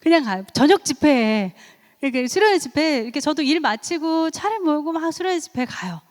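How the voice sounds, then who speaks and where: Middle-aged woman, church seminar talk, lively storyteller, fairly high voice, long hall echo. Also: brisk. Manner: lively storytelling, acts out quotes, laughs often. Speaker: seminar speaker and counselor.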